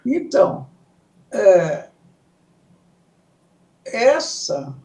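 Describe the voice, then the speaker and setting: A woman's voice: medium pitch, sing-song, mellow, roomy sound. An older woman from Italy, a psychoanalyst guest, explaining ideas step by step and often checking in with her listener. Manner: unhurried, explains in steps, checks in with "certo?". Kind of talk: reflective explanatory interview talk.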